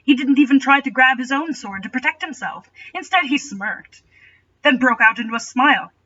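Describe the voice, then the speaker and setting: A woman's voice: high voice, lively intonation, normal speed, bright, forceful tone. A woman reading a story aloud in a dramatic style, dropping in playful, sarcastic asides. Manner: sardonic, playful. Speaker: reader and commentator. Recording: dull, distant home microphone.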